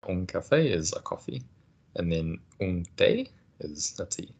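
Low gravelly guy teaching a casual language lesson, husky voice, patient. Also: big pitch swings. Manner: patient, encouraging, explains slowly.

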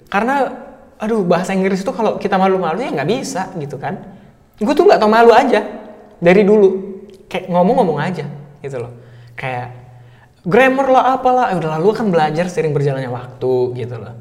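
A man chats as a podcast guest, recounting his stories in an animated, playful way. His voice sits fairly high. The sound carries a long hall reverb. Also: fairly quick. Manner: animated, acts out quoted voices, laughs often. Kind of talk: casual storytelling chat.

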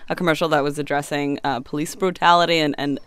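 A woman on a podcast panel, measured and analytical, on a close studio mic. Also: low voice, steady tone, clear, resonant tone, no room sound. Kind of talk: casual panel discussion.

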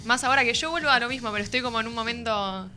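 A woman's voice: a little high, bright, forceful tone, soft background music. A young woman with an Argentine Rioplatense accent talking candidly and reflectively in a casual radio chat. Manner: quick, candid, self-reflective. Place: radio studio.

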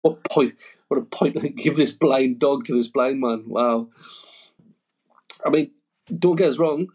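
A man's voice: medium pitch, steady tone, slow, a little mellow, husky. A man, a stand-up comedian, telling stories in a rambling, casual way full of fillers and chuckles. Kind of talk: casual storytelling chat.

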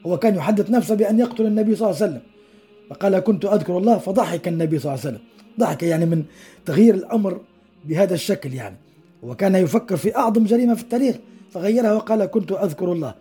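Fast, dark, husky-voiced male preacher. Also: high voice, expressive, faint music behind. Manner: narrates hadith stories with explanatory asides, acts out quoted dialogue. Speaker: sheikh giving a religious lesson. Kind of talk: podcast religious lesson, storytelling.

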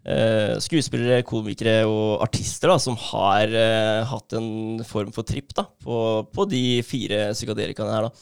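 Gravelly-voiced man telling a story casually. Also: on the low side, few pauses, no echo, clean studio sound. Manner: animated retelling with many fillers and laughs. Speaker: podcast co-host.

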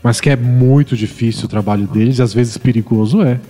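Guy with a mellow dark voice reading listener mail on a podcast, kinda reverby, music under it. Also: mid-range voice, a little fast. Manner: reads letters aloud, relaxed and chatty. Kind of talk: casual podcast chat.

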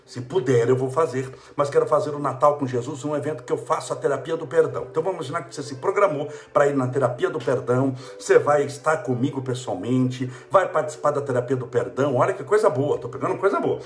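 A man's voice: mid-range voice, fast, hardly any pauses. A man with a Brazilian Portuguese accent giving a spiritual talk, telling everyday scenes with rhetorical questions and repeating phrases for emphasis. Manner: animated storytelling with rhetorical questions. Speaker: spiritual speaker.

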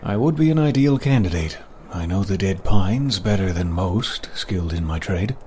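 A man's voice: low-pitched, expressive, normal speed, darkish tone, a little hiss or hum. A man playing an easygoing, boastful monster hunter for hire in an audio drama, with a hesitant, rambling delivery. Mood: relaxed, wry. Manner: hesitant, rambling, munches while talking.

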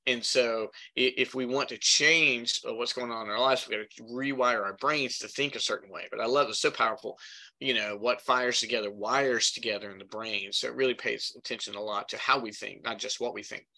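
A man's voice: mid-range voice, fairly even intonation, brisk, vocal fry, pushed and bright, rough recording. A middle-aged man hosting his own podcast in a casual, chatty way, with many fillers and a slightly congested voice from pollen. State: congested from pollen, occasional cough. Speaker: podcast host. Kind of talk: casual solo podcast talk.

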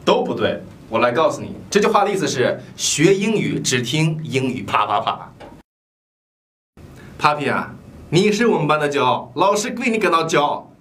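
A man playing a mock English teacher in a comedy sketch. He lectures the student directly and overenunciates English words very slowly. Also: fairly high pitch, big pitch swings, a bit bright.

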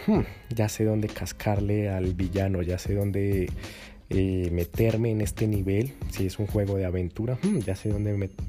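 A man's voice: on the low side, dark tone. A man hosting a motivational dating podcast, acting out inner voices with gasps and exclamations. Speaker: dating coach podcast host.

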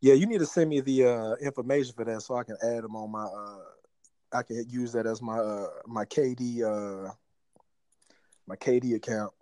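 A man in his thirties co-hosting a casual podcast, joking and bantering in relaxed slang. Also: mid-range voice, moderate pace, no echo. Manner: laid-back slangy banter with laughs. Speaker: podcast co-host. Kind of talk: casual chat.

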